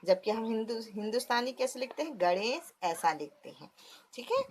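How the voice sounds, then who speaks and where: A woman's voice: fairly high pitch, expressive, fairly quick, darkish tone, slight background noise. A woman teacher explaining a textbook lesson patiently, often asking the listener questions as she goes.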